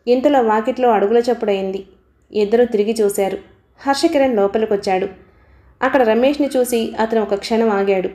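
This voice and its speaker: A woman reads a novel aloud as an audiobook narrator, steady and even. Her voice is mellow and sits fairly high. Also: fairly quick, echoey room. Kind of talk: novel reading.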